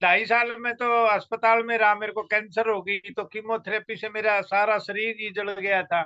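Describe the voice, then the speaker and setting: Pitched high, a man talks with hardly any pauses in a flat, monotone delivery. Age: 60s. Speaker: participant giving testimonial. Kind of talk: testimony.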